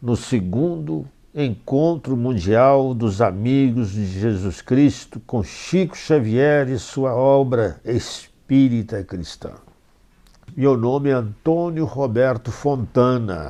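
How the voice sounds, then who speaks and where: A man talks very slowly with lively intonation. His tone is dark and mellow, and his pitch is medium. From Brazil, interior of Minas Gerais (southwest). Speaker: spiritist lay speaker recalling memories. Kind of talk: testimony.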